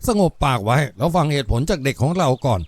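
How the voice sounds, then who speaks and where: A man voicing a calm, elderly district chief who placates his friend. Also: mid-range voice, a little fast, no room sound, close to an everyday voice. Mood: soothing.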